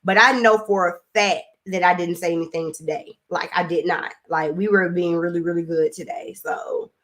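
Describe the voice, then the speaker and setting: A woman's voice: fairly low pitch, moderate pace. Laughing Southern woman chatting on a live stream. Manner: animated, laughs often, drawls and drags words. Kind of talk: casual live-stream chat reading comments.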